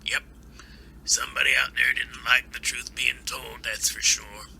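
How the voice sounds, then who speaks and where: A man's voice: medium pitch, flat delivery, measured pace, gravelly, bright, forceful tone, slight background noise, heavily acted, low-quality recording. A man playing a wary, folksy older author with plain-spoken manners in an amateur audio drama. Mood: rueful.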